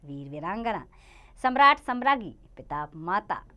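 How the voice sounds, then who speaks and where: A woman's voice: mid-range voice, very animated, moderate pace, highs cut off. Sing-song woman teaching grammar to children. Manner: reads word lists in a sing-song, rising and falling lilt; addresses children directly. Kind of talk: Hindi grammar lesson narration.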